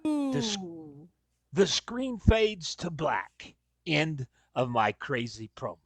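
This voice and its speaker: Male stage-direction reader: fry-laden voice, lively intonation, slow scripted narration. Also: fairly high pitch, no room sound.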